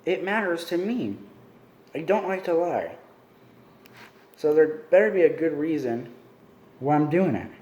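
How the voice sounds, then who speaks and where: A stubborn, suspicious teenage girl , read out by a man in a mellow, near-natural voice, presses hard for answers and will not let things drop. The room sounds roomy and echoey around the reading. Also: fairly high pitch, sing-song, measured pace, pauses often. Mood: heated. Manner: pressing, insistent questions.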